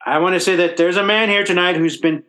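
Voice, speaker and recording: Radio comedy role: male actor as blustery working-class everyman, high-pitched and forceful, colloquial, excitable, good-hearted. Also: fast. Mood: earnest speechmaking. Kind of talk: old-time radio comedy acting.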